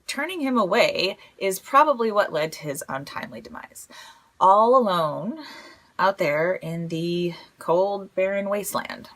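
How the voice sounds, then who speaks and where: A woman's voice: mid-range voice, lively intonation, unhurried, a bit bright. A woman playing a wry, rambling lone radio broadcaster in a comedy audio drama, awkward and self-deprecating. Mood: grave, threatening.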